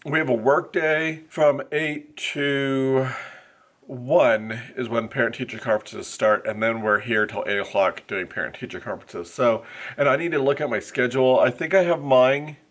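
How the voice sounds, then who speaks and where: A man's voice: mid-range voice, moderate pace, a bit bright. Congested man chatting casually to camera. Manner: rambling, chatty, many fillers. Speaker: first grade teacher vlogger. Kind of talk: casual vlog chat to camera. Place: classroom, then inside a car. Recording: faint road noise.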